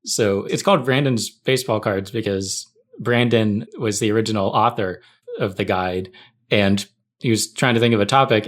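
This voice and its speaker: Low-pitched man telling anecdotes. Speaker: podcast guest, tech writer. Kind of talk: casual anecdotal chat.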